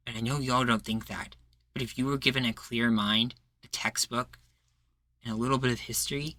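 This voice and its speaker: A defiant, charismatic male rebel leader, acted by a man for an audio roleplay. His voice is bright and forceful in a very dry space. He speechifies earnestly and persuasively, in folksy phrasing. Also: medium pitch, dry recording. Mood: commanding, provocative. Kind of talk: roleplay ASMR acting.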